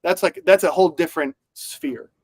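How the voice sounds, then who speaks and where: A podcast co-host chats about the news in a loose, rambling way, stopping and restarting sentences and filling gaps with "uh" and "like." His voice sits a little high for a man and is a little mellow, at normal speed. The recording is dry, close, and rough, with no room sound around it.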